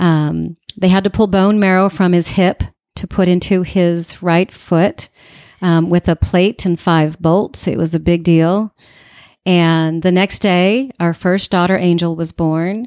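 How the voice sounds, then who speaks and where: A woman with an American accent speaks in a plain, everyday voice at a fairly low pitch and a fairly slow pace, her intonation fairly even, the sound dry and close with no echo on a very clean recording against a silent background. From Denver, Colorado. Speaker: hypnotherapist in recovery. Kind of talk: personal testimony interview.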